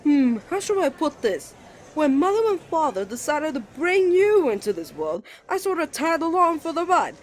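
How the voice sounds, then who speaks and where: Man playing a jealous, excitable young twin. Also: extremely high pitch, normal speed, some chatter behind. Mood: indignant. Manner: indignant, dramatic, stammering when flustered. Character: jealous, flustered young male student, protective twin brother. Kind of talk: ASMR romance roleplay.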